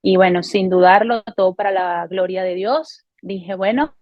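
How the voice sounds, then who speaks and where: A woman in her thirties from Venezuela gives a personal faith testimony to camera, in an earnest, unhurried way with frequent hesitations and self-corrections. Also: medium pitch, steady tone, no echo, lo-fi sound. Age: 30s. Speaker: testimony speaker. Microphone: camera recording.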